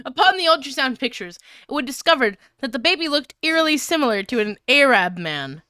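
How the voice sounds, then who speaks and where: Giggly high-voiced woman reading fan fiction. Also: very animated, a little fast, bright, forceful tone, clear, resonant tone, no room sound. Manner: giggly, often breaking up while reading; crude, swearing banter. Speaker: stream co-host reading fan fiction aloud. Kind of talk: casual livestream read-aloud with commentary.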